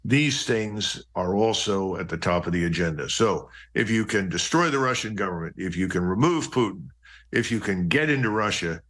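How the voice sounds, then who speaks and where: A man's voice: lowish voice, a bit bright. A man giving political commentary, emphatically stacking his points in repeated lists.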